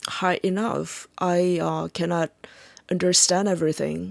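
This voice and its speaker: Delivered at a very slow pace in a Korean accent. The recording is very clean, with a silent background. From South Korea. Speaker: video creator. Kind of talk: casual monologue. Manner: halting, with many fillers.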